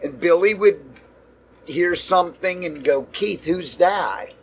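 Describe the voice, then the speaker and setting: An older man telling stories in a relaxed chat after a show, slow and halting. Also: sits high, gravelly, a little hiss or hum. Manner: slow, halting, restarts often. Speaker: guest musician. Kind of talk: casual storytelling. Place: noisy room after a show.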